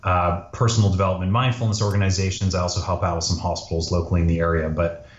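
A man's voice: low-pitched, little pitch movement, fast talker. A man from Canada, a podcast guest giving casual, conversational answers about himself. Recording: roomy, slightly dull audio.

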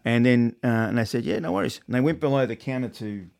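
An Australian man with a medium-pitched voice chats as a podcast co-host. His delivery is casual and easygoing, full of colloquial turns of phrase. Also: fast, darkish tone, clear, resonant tone. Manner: laid-back, colloquial. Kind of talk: casual chat.

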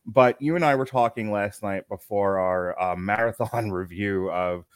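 A man's voice: on the low side, moderate pace, smooth, no room sound, studio quality. A man hosting a podcast, chatting casually in a jokey, rambling way. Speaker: podcast host. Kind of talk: casual chat.

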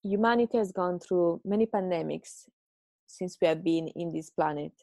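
A woman's voice: lowish voice, normal speed, gravelly, mellow, no echo. A woman from Italy with an Italian accent, giving chatty, self-mocking encouragement as a podcast host at home. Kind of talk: casual advice monologue.

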